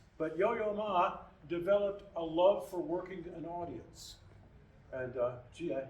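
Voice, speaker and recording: Amid noticeable background noise and audible room echo, a man with a high pitch talks at a moderate pace, with ordinary pitch variation, big swings in loudness, and long, frequent pauses. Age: 70s. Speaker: pre-concert lecturer, singer and radio host. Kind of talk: audience Q&A. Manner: halting, with restarts.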